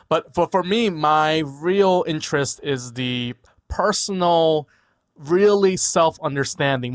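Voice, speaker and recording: Guy in his 40s on a video call from home, grew up in new york, spoke korean first, slightly high voice, repeats himself and says "right?" a lot. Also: clear, resonant tone. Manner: thoughtful, repeats words, tags "right?". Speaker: guest physician. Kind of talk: casual interview talk.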